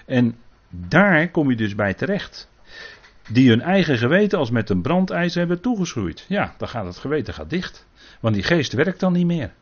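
A preacher with a voice on the high side, very animated and moderately paced, gives an earnest, cautious Bible sermon. Frequent tag questions check in with the audience, and the lo-fi recording sounds dull.

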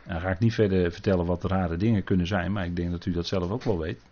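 A low, dark, steady voice delivers a fast-paced Bible sermon. This preacher is earnest and cautious, repeatedly checking in with tag questions, and the recording is dull and lo-fi.

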